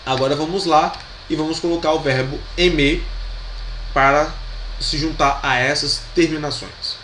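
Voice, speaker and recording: With a slightly high, bright, pushed voice at a moderate pace and fairly even intonation, this Brazilian-accented teacher walks through French grammar on video. Each pronunciation gets patient repetition, and he checks often that students are keeping up. Echo and a faint hum fill the background.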